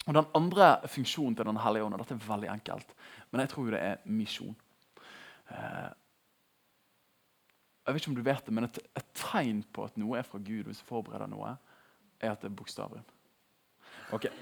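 A young man giving a casual, animated sermon in a conversational tone. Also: fairly low pitch, creaky, slightly rough. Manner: conversational, animated, laughing at his own jokes. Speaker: preacher.

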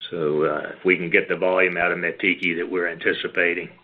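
A male company executive answers analyst questions on an earnings call, unscripted, in a very low, even-pitched voice. His phrasing is measured, halting, and hedging, and the sound is narrow and band-limited, as over a phone conference line.

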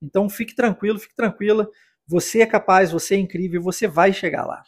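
A husky-voiced man from Brazil teaches English on his podcast. He speaks fairly high and explains each point patiently, often pausing to check in with the listener. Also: fairly even intonation. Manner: encouraging, explanatory, frequent tag questions. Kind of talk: podcast lesson addressing listener.

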